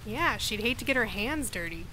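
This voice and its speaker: A woman's voice: fairly high pitch, animated, normal speed, bright, forceful tone, poor audio. An actress in a comedic audio drama playing a grouchy, impatient witch with a sardonic, blunt delivery. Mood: exasperated. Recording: noticeable background noise.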